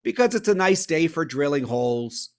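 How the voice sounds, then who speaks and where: A man voicing a stubborn, calm old fisherman in a storybook reading, answering in a flat, matter-of-fact way. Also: on the high side, normal speed.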